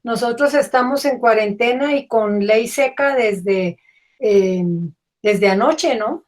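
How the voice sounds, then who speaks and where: A woman with a fairly high voice hosts a relaxed literary gathering from a video call. She is chatty and affectionate and often talks over her guests. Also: slow. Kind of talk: casual video-call chat.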